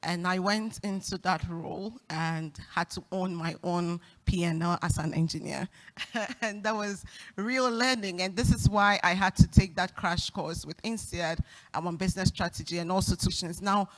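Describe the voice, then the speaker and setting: A woman's voice: on the low side, normal speed, rough recording. A woman on a forum panel, a telecom executive recounting her career in a conversational, reflective way with easy laughs. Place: forum stage.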